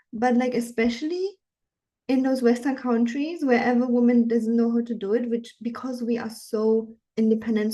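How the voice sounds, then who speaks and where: Young woman, dating coach, animated live-webinar delivery, fairly high but mellow voice. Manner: earnest, animated, frequent fillers.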